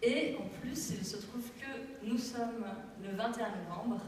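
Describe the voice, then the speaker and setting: A woman's voice: fairly high pitch, measured pace, darkish tone, a little hiss or hum. A woman in her thirties speaking live on stage as a performance artist, thoughtful and playful in a loosely improvised way. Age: 30s. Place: arts venue, live performance. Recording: echoey live hall from far off.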